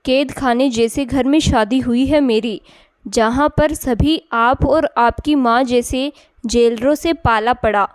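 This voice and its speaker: A woman's voice: a little high, slow pace, clear, resonant tone, no echo, clean studio sound. Woman voicing a bitter, unhappy young wife. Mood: angry. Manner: complaining, resentful.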